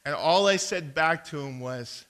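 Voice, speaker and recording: A man's voice: on the high side, fairly bright tone, clean tone. A man preaching a sermon as a pastor, telling a personal story in a folksy way and reading out Bible verses. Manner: storytelling, folksy, deliberate with repeated verse references.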